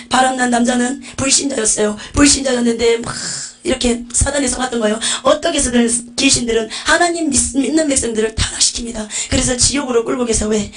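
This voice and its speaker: A woman giving a fervent, tearful testimony sermon, preaching with urgency. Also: on the high side. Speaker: testimony speaker.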